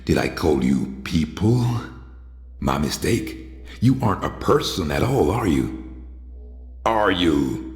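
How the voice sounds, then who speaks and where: A hardened, sardonic antihero for a video game. His gruff voice sits very low and taunts in plain, streetwise phrases. The sound carries hall reverb. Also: big pitch swings, slow pace, long pauses, soft background music, heavily acted. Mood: menacing scorn. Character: gruff, tough, cynical male antihero with shadow powers. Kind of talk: video game drama acting.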